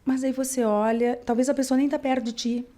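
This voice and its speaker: A woman's voice: high-pitched, steady tone, a little fast, dark tone. A woman speech therapist, a podcast guest explaining intonation and demonstrating it with examples. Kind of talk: casual podcast interview.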